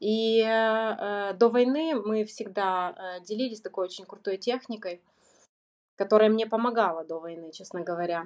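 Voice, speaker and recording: A woman's voice with ordinary pitch variation over a quiet background. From Moldova. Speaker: emotional intelligence trainer. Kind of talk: testimony. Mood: calm, reflective. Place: home room.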